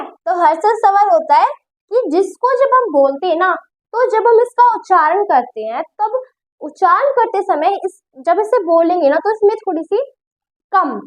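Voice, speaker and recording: A woman's voice: very high-pitched, lively intonation, moderate pace. A woman teaching a grammar lesson, who explains patiently, repeats her points and checks whether the class understood.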